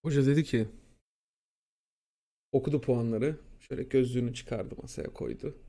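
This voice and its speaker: A young man casually telling a school story, animated and profane, acting out what people said. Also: medium pitch, normal speed. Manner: animated, profane, acts out quotes. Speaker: streamer.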